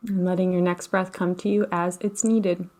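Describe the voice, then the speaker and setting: A woman leading a guided relaxation as a meditation teacher, speaking in a gentle, unhurried, soothing way with long pauses. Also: fairly low pitch, little pitch movement. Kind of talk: guided meditation, slow instruction.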